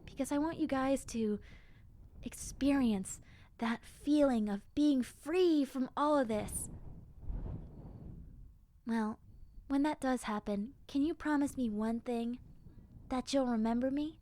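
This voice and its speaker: A woman's voice: high voice, takes it slowly, pauses often, mellow. A woman voicing a friendly, lonely young zombie girl in an audio roleplay, chatting casually and girlishly straight to the listener. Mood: wistful, friendly.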